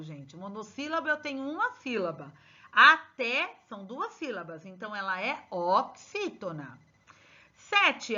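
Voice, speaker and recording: A bright-voiced woman teacher works through exercise answers with her pupils, dwelling on each word. Her high voice swoops up and down as she stresses every answer, and the recording is dull and lo-fi. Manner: slow, emphatic, spelling out answers to pupils. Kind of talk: exercise correction lesson.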